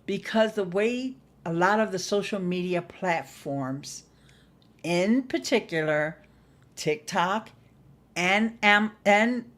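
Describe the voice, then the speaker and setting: A middle-aged woman hosts a livestream from a small home studio, chatting casually with viewers in a folksy, playful way and leaning on words for emphasis. Her mid-range voice is animated and fairly bright, and she speaks slowly into a desktop mic placed close by.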